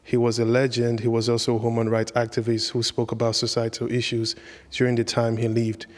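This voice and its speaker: A man's voice: mid-range voice, monotone, fairly quick. A man from Nigeria, speaking fluently and steadily in an interview. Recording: long reverb.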